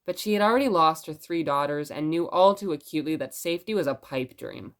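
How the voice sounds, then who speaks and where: A woman playing a presenter who reads stories aloud in expressive narration. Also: low voice, a little fast. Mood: measured, tender. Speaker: narrator and host of the show.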